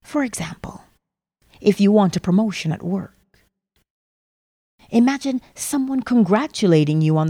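A woman softly narrating a guided meditation in a soothing manner, with gravelly fry and breathy phrase endings that trail toward a whisper. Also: medium pitch. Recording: long reverb on the voice.

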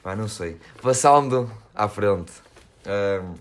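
A man's voice: on the low side, takes it slowly, a little hiss or hum. A young man with a European Portuguese accent, co-hosting a casual podcast and telling rambling stories full of slang and fillers. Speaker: podcast co-host. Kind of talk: casual chat.

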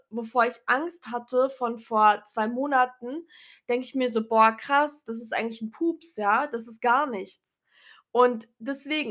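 A woman speaking loudly and earnestly to her viewers in a casual, unedited motivational vlog, her voice a little strained. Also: high voice. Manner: earnest, encouraging, talks loudly. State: clearing her throat, voice a bit strained. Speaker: vlogger. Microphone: self-recorded, unedited.

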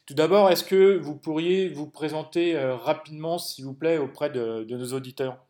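A man's voice: a little high, moderate pace, a little mellow. Hesitant male interview host. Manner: hesitant, many fillers. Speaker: podcast host. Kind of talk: interviewing guests.

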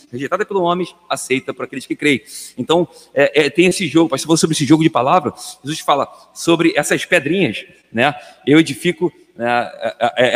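A man's voice: a little high, fairly bright tone, big-room sound. A Brazilian man in a casual Bible study discussion, earnest and repeating words as he thinks aloud. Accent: Brazilian Portuguese.

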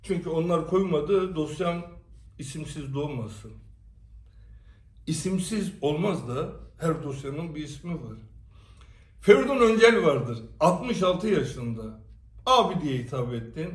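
High-voiced man, emphatic, echoey and distant. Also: expressive, a little slow. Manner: emphatic, storytelling, rhetorical questions. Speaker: commentator addressing followers. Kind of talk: direct-to-camera monologue. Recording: echoey room, away from the mic.

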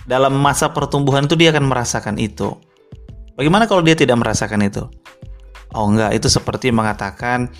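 A man giving a reflective sermon-style teaching, thinking aloud with fillers and rhetorical questions. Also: medium pitch. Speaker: preacher.

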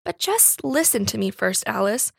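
A woman voicing a genteel Victorian gentleman, formal and gently condescending, in a story reading. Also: a little high, very animated, normal speed, creaky, no room sound, clean studio sound, heavily acted. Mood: reasoning, advising. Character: genteel, amused Victorian master of the house.

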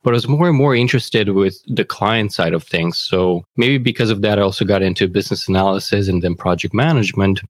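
A man's voice: fairly low pitch, a little fast, hardly any pauses, no room sound. Romanian-accented man, dry close sound. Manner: relaxed, friendly storytelling. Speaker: guest. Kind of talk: casual interview.

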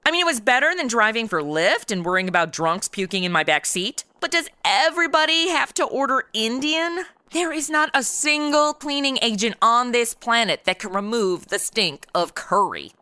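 A woman's voice: on the high side, expressive, normal speed, few pauses, sharp tone, clean tone, dry recording. A woman playing a flippant, slangy twenty-something in a comedic audio drama, exasperated and sassy. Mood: chatty. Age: 20s. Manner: flippant, slangy, exasperated, valley-girl phrasing. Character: sassy modern twenty-something woman stuck in old radio noir.

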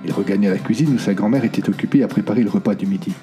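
A man narrating a novel in an expressive, dramatic storytelling manner. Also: lowish voice, very fast, faint music behind. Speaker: audiobook narrator. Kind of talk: scripted narration.

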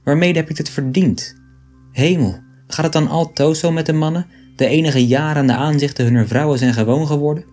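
A man's voice: a little high, fairly quick, a little mellow, soft background music, voice pushed up, close to an everyday voice. A man voicing an old grey female ape who plaintively laments and reproaches her husband in a storybook reading.

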